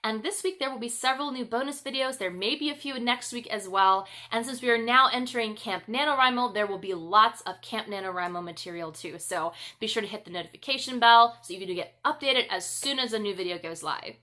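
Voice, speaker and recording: A woman author hosting her own video, with expressive storybook narration and chatty vlog talk. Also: a little high, brisk, few pauses.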